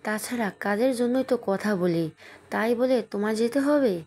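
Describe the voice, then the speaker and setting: A woman's voice: on the high side, normal speed, mellow, natural voice. Woman reading as a hot-tempered young husband. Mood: annoyed. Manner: gruff, then tender teasing. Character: young husband, stern office boss, quick-tempered.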